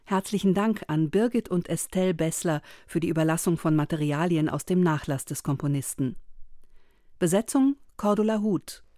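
Mellow, low-voiced woman announcer. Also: normal speed, no room sound. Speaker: radio announcer reading credits. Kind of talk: scripted radio credits announcement. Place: studio. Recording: dry studio, faint music behind.

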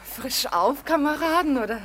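A woman's voice: high-pitched, lively intonation, moderate pace, a bit bright, slight background noise. An actress playing a coy, demure young lady being courted in a German radio drama. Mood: bashful.

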